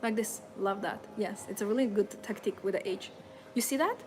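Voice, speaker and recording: A woman's voice: mid-range voice, fairly quick, music in the background. A woman coaching her audience in a motivational seminar, earnest and repetitive, with non-native English phrasing. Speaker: femininity and lifestyle coach. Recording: audible background noise.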